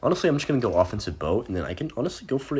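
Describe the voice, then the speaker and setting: On a very clean recording with a silent background, a man speaks in a somewhat breathy voice with very wide pitch swings. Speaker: gaming youtuber. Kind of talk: gameplay commentary. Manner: casual, filler-heavy.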